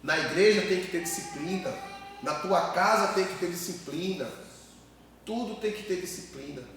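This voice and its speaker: A man's voice: high voice, normal speed, a bit bright, soft background music. A man pastor preaching a sermon with emphatic repetition, calling the congregation brothers. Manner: emphatic, repeats words, addresses congregation as brothers. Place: church. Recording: echoey hall, mic far off, faint noise.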